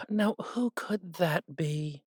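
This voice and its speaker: A man's voice: fairly high pitch, expressive, very slow, heavy background noise. A man playing a chatty, fussy angel in an audio drama, with theatrical, musing asides. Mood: dreamy, musing. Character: chatty, fussy, coffee-loving male angel, teasing elder brother.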